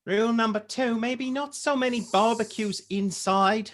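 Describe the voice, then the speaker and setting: A woman's voice: a little high, normal speed, natural voice. A woman playing a friendly, literal-minded policewoman in a comedy table read, chatty and matter-of-fact. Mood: disapproving. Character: friendly, concerned, literal-minded policewoman gently scolding partygoers.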